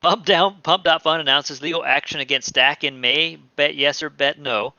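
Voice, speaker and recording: Bright-voiced chatty male show host. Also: on the high side, normal speed, dry recording, dull audio. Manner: chatty, animated, laughs easily. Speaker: podcast host. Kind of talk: casual crypto show chat.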